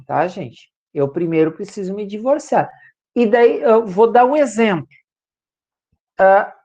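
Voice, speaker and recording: Recorded in lo-fi sound, a high-voiced man lectures a law class in a Brazilian Portuguese accent. After nearly every point he turns to the students with a "tá, gente?" tag question.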